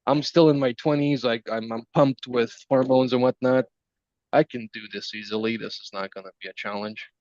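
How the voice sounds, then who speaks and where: A man's voice: medium pitch, fairly even intonation, moderate pace, a little mellow. A man in his early twenties chatting casually, teasing and laughing often. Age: 20s. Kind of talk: casual chat. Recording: dull, slightly lo-fi sound.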